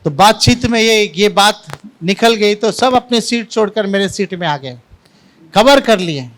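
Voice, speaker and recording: A pastor delivers an animated Sunday sermon in a high-pitched voice. He tells stories to the congregation and mixes English words into his preaching. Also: a little slow. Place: church service.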